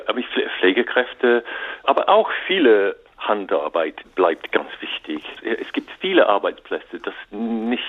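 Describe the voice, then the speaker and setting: A man on a tinny phone line, his voice on the low side, speaks halting non-native German, restarting often and slipping in English fillers. He is an author appearing as a guest in a radio interview.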